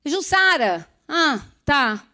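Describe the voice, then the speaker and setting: A woman's voice: big pitch swings, very slow, exaggerated voice. A woman putting on the voice of a cheerful, chatty female friend calling on the phone. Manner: bubbly, high and loud.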